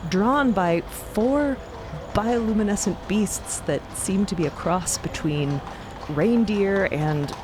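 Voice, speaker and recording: A woman's voice: mid-range voice, slow, noisy background. A woman narrating a scripted story in a descriptive storytelling style. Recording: loud music behind narration.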